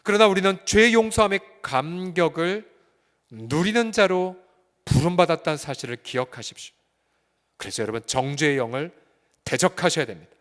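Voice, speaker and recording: A male pastor preaching a sermon with fervor, swinging between soft, quiet stretches and loud, rising appeals. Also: on the high side, lively intonation, normal speed, in a large hall. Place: church sanctuary.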